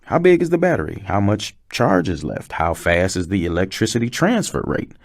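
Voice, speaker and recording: Low-pitched man acting as a car technician, knowledgeable, patient, scripted conversational explainer, dry close sound. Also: sing-song, moderate pace, vocal fry, no room sound, full character voice. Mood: explaining, assured. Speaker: voice actor in a promotional dialogue.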